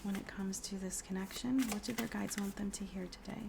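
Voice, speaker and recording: A woman in her thirties doing a casual tarot reading, hoarse from a cold, speaking softly and often in a whisper with many fillers. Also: mid-range voice, fairly even intonation, brisk, background noise. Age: 30s. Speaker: tarot reader.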